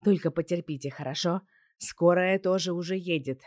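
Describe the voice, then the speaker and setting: Woman reading a calm reassuring man at a crash. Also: lowish voice, no room sound, studio quality, lightly acted. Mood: soothing. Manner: hurried, soothing.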